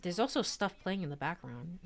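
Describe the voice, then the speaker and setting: A woman reading a visual novel aloud on stream and chatting between lines, often giggling and trailing off into fillers. Her voice sits low for a woman but swings all over in pitch, so she sounds animated. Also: normal speed. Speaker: streamer and let's-player.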